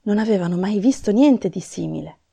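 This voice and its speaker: A woman narrating a children's fairy tale in a calm, gentle storybook manner. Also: medium pitch, a little fast, vocal fry, no room sound, studio quality.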